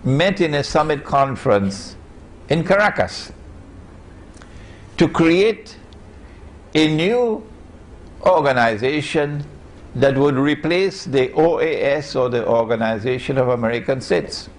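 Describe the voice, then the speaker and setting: A man's voice: medium pitch, expressive, slow pace, long pauses. A man from Trinidad and Tobago, giving a public lecture in an emphatic way and putting rhetorical questions to his audience.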